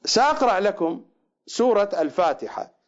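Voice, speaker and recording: A man lecturing on readings of scripture, drawing out each recited word slowly and then rushing through his asides. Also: high voice, big pitch swings, highs cut off. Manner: slow deliberate recitation of words, then quick asides. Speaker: religious lecturer.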